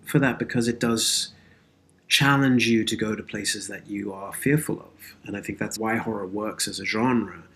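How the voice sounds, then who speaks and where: A man with a fairly low voice speaks as an interview guest. He is earnest and reflective, working through his thoughts in a philosophical, conversational way. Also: normal speed, fairly bright tone. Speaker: interview guest, audio drama creator and actor.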